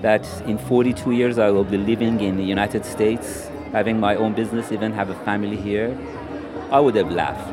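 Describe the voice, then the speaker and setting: A middle-aged man speaks reflectively in a lowish voice. A crowd murmurs and music plays behind him. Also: steady tone, brisk. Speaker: interviewee.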